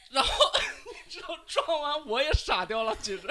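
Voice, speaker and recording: A male guest telling a personal story in casual chat, halting and restarting as he goes. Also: very high voice, big pitch swings, sharp tone.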